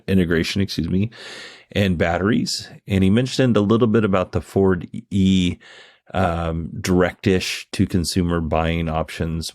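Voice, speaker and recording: Man, very low pitch, dry close sound, conversational host commentary, opinionated, explanatory. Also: a little mellow, dry recording. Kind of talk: casual commentary on a company earnings call.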